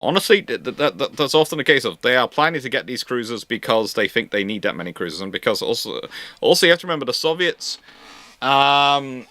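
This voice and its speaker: A man's voice: mid-range voice, animated, a little fast, pushed and bright, dry recording. A man hosting an informal question-and-answer chat, often stammering and repeating words as he gets going. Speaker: host answering viewer questions. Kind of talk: live question-and-answer chat on naval history.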